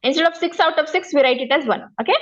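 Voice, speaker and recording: High-voiced South Asian woman teacher, muffled audio. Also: quick pace. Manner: repetitive, frequent check-in questions. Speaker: maths teacher. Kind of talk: one-to-one lesson, explaining step by step.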